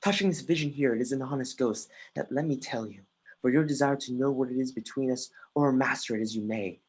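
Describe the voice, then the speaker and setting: An intense young prince played by a man speaks Shakespearean verse in a medium, husky register. He is wry and erratic, impassioned but halting in his delivery. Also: mid-range voice, lightly acted. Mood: wry, insistent. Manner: impassioned, halting reading with stumbles. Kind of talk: Shakespearean verse in a livestreamed dramatic reading. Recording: remote livestream audio.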